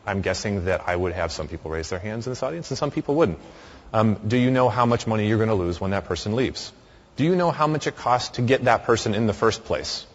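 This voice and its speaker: Deep-voiced man giving a conference talk. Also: animated, quick pace, muffled recording. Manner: conversational with frequent fillers and restarts. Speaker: conference speaker. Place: large hall.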